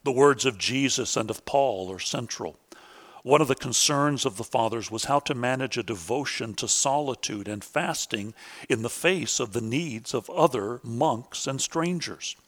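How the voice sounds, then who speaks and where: A man reading a scripted academic lecture in a measured, deliberate and formal way, pausing for quotations. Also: medium pitch, a bit bright.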